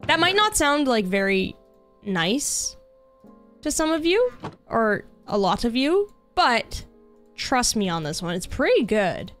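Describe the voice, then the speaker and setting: A slightly high-voiced young streamer speaks slowly yet bubbly, chatting with her viewers and bursting out excitedly now and then, even as her voice gives out. Soft music plays behind her casual gaming stream.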